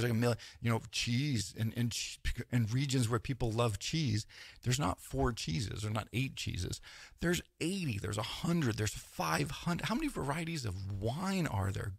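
A man talking through ideas in a rambling, animated lecture style, often tagging points with "right?" and asides. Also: medium pitch, gravelly, husky, dry recording, studio quality. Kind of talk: casual lecture-style talk.

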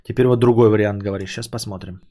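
A man's voice: fairly low pitch, fairly even intonation, fast talker, warm tone. A man hosting a casual solo podcast, rambling and joking, who mangles words on purpose for fun. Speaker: podcast host.

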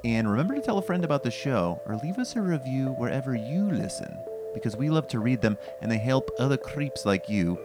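A man's voice: medium pitch, very animated, a little fast, hardly any pauses, loud music behind the voice. A man co-hosting a podcast in casual chat, with a playful, dry joking manner. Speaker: podcast co-host.

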